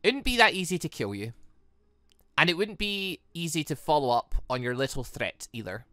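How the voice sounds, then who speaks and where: A man's voice: on the high side, very animated, moderate pace, pushed and bright, no echo, studio quality. A man voicing a menacing, calculating female villain from a visual novel, with a taunting, controlled delivery. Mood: smug, probing. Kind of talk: reading game dialogue aloud.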